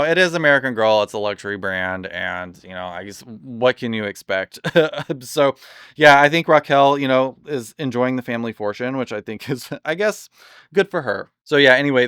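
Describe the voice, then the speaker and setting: A man chatting casually and enthusiastically in a product review, rambling with lots of fillers, his voice slightly hoarse from overuse. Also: mid-range voice, a bit bright, dry recording, studio quality. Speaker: doll collector reviewing products.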